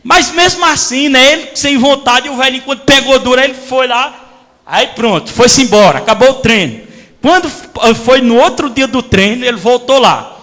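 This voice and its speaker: A male pastor from Brazil, preaching a sermon as animated storytelling and acting out voices. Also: very high-pitched, moderate pace, in a large hall. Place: church hall.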